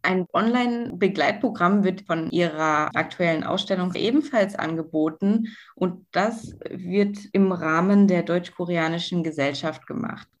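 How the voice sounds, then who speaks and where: A woman's voice: on the low side, a little slow, few pauses. A woman co-hosting a podcast, speaking enthusiastically and stressing words by repeating them. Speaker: podcast co-host. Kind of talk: casual podcast chat.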